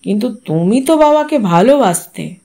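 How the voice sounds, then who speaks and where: Quiet restrained son, a woman reading him, low-key. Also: lively intonation, moderate pace, lightly acted. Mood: questioning.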